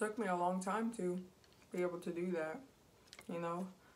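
Light background noise sits behind a woman speaking at a moderate pace. Her pitch is fairly low and her intonation fairly even. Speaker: food vlogger. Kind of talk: casual vlog chat. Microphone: phone near.

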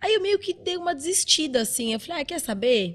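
A woman talks with very wide pitch swings. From Brazil. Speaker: TV producer and editor; podcast guest. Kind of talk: casual chat. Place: studio. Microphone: studio mic.

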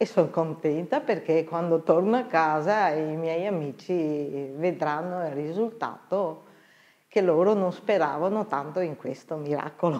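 A woman's fairly low, dark and mellow voice at a fairly slow pace, with ordinary pitch variation. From northern Italy, Veneto. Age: 60s. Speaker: dental patient giving testimonial. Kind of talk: testimonial. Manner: warm, grateful, effusive. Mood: grateful, enthusiastic. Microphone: lapel.

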